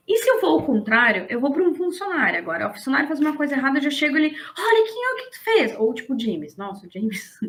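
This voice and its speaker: A woman teaching in a casual, lively and blunt way, often slipping into acted quotes. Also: a little high. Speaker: business coach. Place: indoors, streaming to an online audience.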